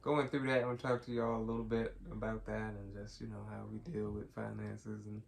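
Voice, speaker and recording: A man's voice: fairly low pitch, flat delivery, normal speed, vocal fry, slight background noise. A young man co-hosting a podcast with his wife, chatting casually, laughing often and trailing off mid-sentence. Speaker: podcast co-host. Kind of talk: casual chat.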